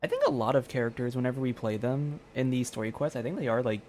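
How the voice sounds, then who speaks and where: A man's voice: mid-range voice, fast talker, a little mellow, slight background noise. A man streaming a game with casual live commentary, rambling and thinking aloud as he goes. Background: faint game music.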